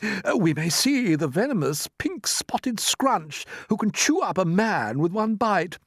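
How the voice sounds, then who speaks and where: A storyteller voicing a boastful, impatient male centipede who shouts his lines. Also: lively intonation, a little slow, breathy edge, no echo, studio quality. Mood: excited. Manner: shouting, booming.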